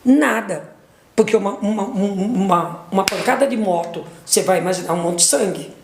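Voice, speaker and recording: A middle-aged woman giving an emotional testimony as a mother, retelling dialogue, repeating words, her voice leaping high at intense moments. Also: normal speed, darkish tone, reverberant, slight background noise.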